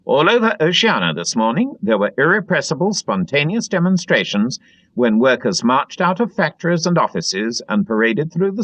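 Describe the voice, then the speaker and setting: A man's voice: on the high side, fairly bright tone, no room sound, muffled recording, pitched above the performer's own voice. A man voicing a triumphant state propaganda announcer who declaims official news in a proclamatory manner. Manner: proclamatory, raised declaiming delivery.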